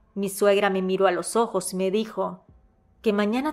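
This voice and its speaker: Fairly slow and dramatic, a woman speaks at a medium pitch. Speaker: storyteller narrating a subscriber's story. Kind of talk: scripted narration of a ghost story. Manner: hushed, suspenseful, slow and somber; dramatic, first-person and emotional.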